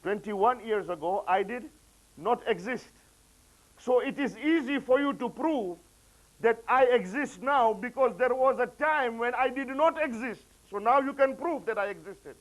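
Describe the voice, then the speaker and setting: A man with a noticeably high-pitched voice delivers a sermon to a gathering. He climbs higher and louder when quoting, then sinks into soft, low asides. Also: a little slow, poor audio. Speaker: preacher. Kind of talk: religious lecture.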